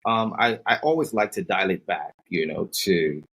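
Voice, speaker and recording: Male podcast host, very low, husky voice; loose, filler-heavy questions. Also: normal speed, fairly bright tone. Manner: friendly, rambling, many fillers. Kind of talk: interview questions.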